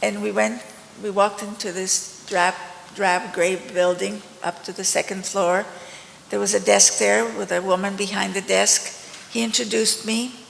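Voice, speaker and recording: Against noticeable background noise, the speaker keeps a moderate pace. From Poland, then New Jersey from age 11. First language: Polish. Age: 80s+. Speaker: Holocaust survivor speaker. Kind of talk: reading aloud from own memoir; testimony.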